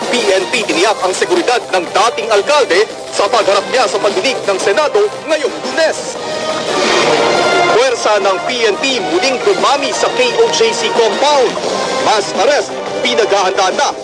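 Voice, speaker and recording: A male anchor with a Filipino accent reads urgent headlines in a high, raised voice. Loud news music drives underneath. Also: normal speed, rough recording. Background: loud news theme music.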